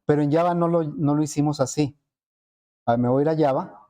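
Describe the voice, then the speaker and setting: Male teacher, mellow, slightly high voice; patient classroom explainer. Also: a little fast. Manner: explanatory, frequent rhetorical questions to students. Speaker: programming teacher. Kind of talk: classroom lecture.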